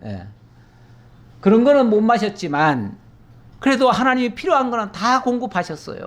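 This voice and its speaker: A male pastor teaching from the Bible in a conversational, animated way, often checking in with his listeners. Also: very high-pitched, moderate pace. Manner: conversational, animated retelling with tag questions.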